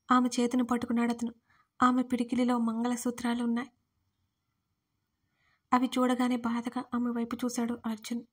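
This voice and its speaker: A woman storyteller giving a steady, even, scripted narration of a love story. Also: a little high.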